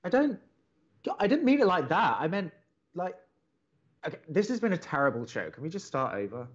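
An actor playing a young, wordy and opinionated college radio co-host in an audio drama, talking in halting conversational bursts. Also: male voice, sits high, sing-song, husky, highs cut off, heavily acted. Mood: flustered. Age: young adult. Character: earnest, exasperated young male college radio co-host, a theatre buff.

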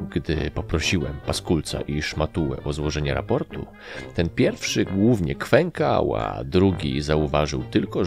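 A man's voice: very deep voice, gravelly. A man reading a first-person story as an audiobook narrator, with a dry, wry way of telling it.

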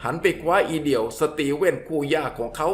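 A man narrating a story in a steady, descriptive reading voice. His pitch runs a little high for a man, and soft music plays quietly underneath. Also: brisk.

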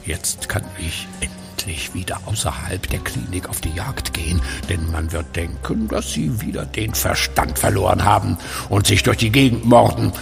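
An actor playing a sadistic werewolf clinic director in a horror audio drama, with a gravelly voice and a theatrical, mockingly polite manner. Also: male voice, sits low, moderate pace, music in the background. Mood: gloating.

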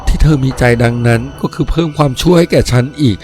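A sorrowful spirit of a young woman from old times, acted out by a male storyteller. She laments slowly and plaintively, as one long wronged, in a storybook telling with music behind. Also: a little high, darkish tone, natural voice. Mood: reproachful. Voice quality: faint, trembling voice.

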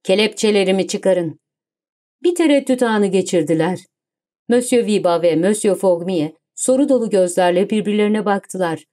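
A woman's voice: mid-range voice, lively intonation, moderate pace, warm tone. Woman narrating an audiobook.

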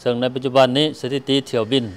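A man's voice: mid-range voice, flat delivery, rapid-fire, a little hiss or hum. A middle-aged man from Laos, an official giving a statement to the press into a handheld microphone. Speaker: government official, air traffic director general. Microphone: handheld interview microphone.

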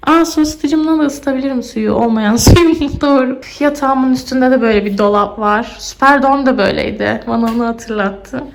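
A woman's voice: high-pitched, normal speed, vocal fry, hardly any pauses. A young woman in her twenties chatting casually as a vlogger, laughing often and talking half to herself, her voice echoing like a cave in a bare empty room. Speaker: exchange student vlogger. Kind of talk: casual vlog chat. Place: empty dorm room, indoors.

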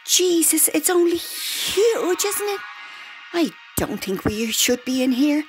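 A woman's voice: high-pitched, sing-song, slow pace, music in the background, exaggerated voice. An actress with an Irish accent playing a blunt, brash mother who swears freely.

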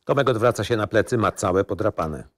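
A man with a fairly low voice narrates a screenplay. He reads scene headings and stage directions as scripted narration. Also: expressive, fairly quick, a bit bright.

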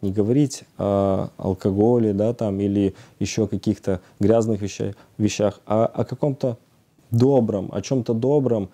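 A man in his thirties from Odesa, speaking haltingly and searching for words as a guest in a casual TV interview. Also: lowish voice, fairly even intonation, mellow. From Odesa, Ukraine. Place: TV studio, indoors, seated.

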